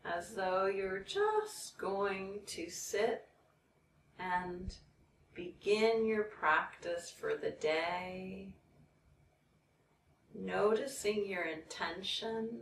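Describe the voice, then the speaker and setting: A woman leading a guided meditation in a soothing, measured way, leaving long pauses between phrases. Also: medium pitch, creaky, fairly bright tone. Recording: roomy, distant mic, background noise.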